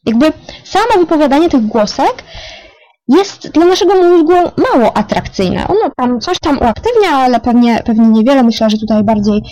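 A woman in her thirties hosting a spoken lesson on rhythm for parents, explaining calmly with frequent filler sounds and counting beats softly under her breath. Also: high-pitched, moderate pace, no room sound, rough recording. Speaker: music educator, podcast host.

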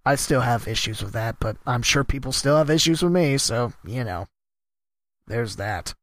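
A man, hosting a solo podcast and rambling casually about announcing gigs, his voice a bit worn from a cough and trailing off quietly at the ends of thoughts. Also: medium pitch, expressive, moderate pace, dry recording. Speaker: podcast host and sports announcer.

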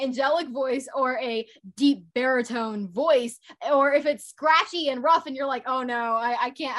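A young woman with a high voice talks casually as an interview guest. She is chatty and upbeat, and she peppers her speech with fillers and false starts. She works as a voice actor and author. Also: fairly bright tone. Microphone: home recording setup.

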